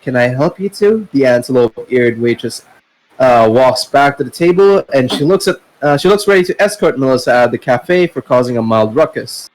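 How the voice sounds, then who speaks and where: A man's voice: mid-range voice, animated, normal speed, low-quality recording. A man narrating a web novel chapter aloud on a podcast, stumbling and correcting himself as he reads. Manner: narrates with frequent slips, self-corrections and laughter.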